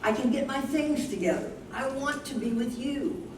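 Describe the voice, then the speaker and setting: A woman's voice: sits high, expressive, moderate pace. A woman in a staged reading, playing a devoted, plaintive elderly wife who has Alzheimer's, with earnest delivery. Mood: pleading. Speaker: stage reader. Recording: echoey room, far from mic, background noise.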